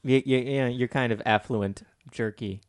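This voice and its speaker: A man's voice: mid-range voice, steady tone, moderate pace, clear, resonant tone, no echo, clean studio sound. A man chatting casually and teasingly, often hesitant and stammering into restarts as he talks.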